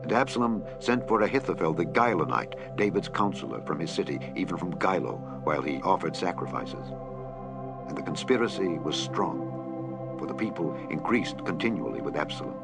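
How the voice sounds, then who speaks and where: A man reading scripture aloud in a measured, solemn way. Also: deep voice, expressive. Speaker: Bible reader. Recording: reading over clear background music.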